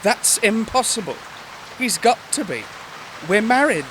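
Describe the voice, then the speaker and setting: An actor voices a pompous, easily wounded gay husband in an audio sitcom. His pitch leaps dramatically through every arch phrase, over clear rain-like noise. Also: sing-song, a little slow. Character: prissy, wounded, theatrical married gay man. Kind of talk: comedy audio drama dialogue. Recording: clearly noisy, rain-like background.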